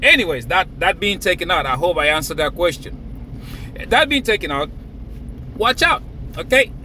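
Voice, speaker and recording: A man's voice: sits high, sing-song, moderate pace, sharp tone, a little hiss or hum. A man from Cameroon, raised in Nigeria, talking emphatically to camera and laughing between phrases. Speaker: crypto vlogger. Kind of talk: casual hype monologue to camera.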